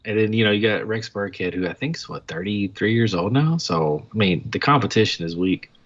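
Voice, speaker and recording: A man's voice: fairly low pitch, a little fast, lo-fi sound. A man co-hosting a casual sports podcast, breaking down players eagerly and listing examples. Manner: enthusiastic, analytical, lists examples. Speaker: podcast co-host.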